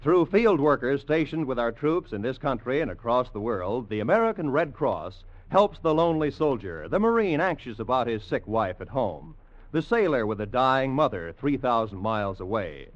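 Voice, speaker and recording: A man's voice: medium pitch, very animated, moderate pace. A man announcing a 1940s radio drama in a formal, emphatic manner. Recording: dull old radio broadcast with music.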